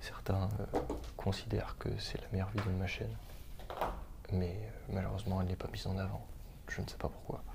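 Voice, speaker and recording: Soft-spoken and with long, frequent pauses, a man talks at a fairly quick pace against noticeable background noise. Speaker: ASMR creator. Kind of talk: casual talk to camera.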